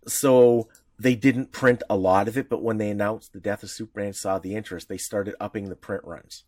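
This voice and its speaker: A man's voice: fairly low pitch, fairly even intonation, a little fast, darkish tone, dry recording. Rambling podcast guy, dry sound. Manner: loose and rambling, with casual swearing and restarts. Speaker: podcast co-host. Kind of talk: casual chat.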